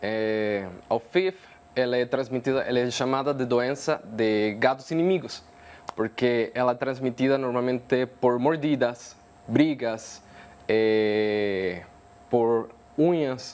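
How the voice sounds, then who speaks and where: A man with a Venezuelan accent at medium pitch, a very slow pace and long, frequent pauses, over noticeable background noise. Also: ordinary pitch variation. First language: Spanish (speaking Portuguese). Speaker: veterinarian. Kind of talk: TV interview.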